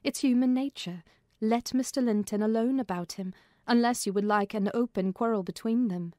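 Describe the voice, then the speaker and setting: A woman as a firm, mellow-voiced housekeeper. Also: a little high, normal speed, no echo, studio quality, close to an everyday voice. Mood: scolding. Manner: admonishing, firm. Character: sensible, frank female housekeeper advising her mistress. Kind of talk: dramatized audiobook reading of a classic novel.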